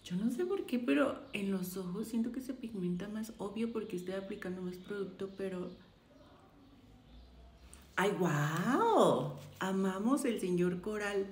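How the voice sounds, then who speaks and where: A woman's voice: medium pitch, normal speed, few pauses, a little mellow. A woman, chatting effusively to viewers while trying on makeup. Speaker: beauty vlogger. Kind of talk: casual makeup try-on chat. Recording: roomy echo, faint room noise.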